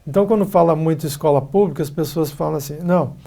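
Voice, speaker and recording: A TV interview host with a gravelly, dark, mellow voice. The host asks measured questions and often adds soft prompts to keep the guest talking. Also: mid-range voice.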